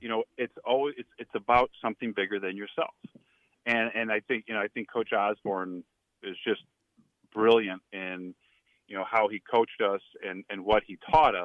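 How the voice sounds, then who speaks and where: Fairly low in pitch, a man speaks with fairly even intonation at a moderate pace. He leaves long, frequent pauses. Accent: Midwestern US. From Indiana. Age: 50s. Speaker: former football player and farmer. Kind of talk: casual interview. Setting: phone call.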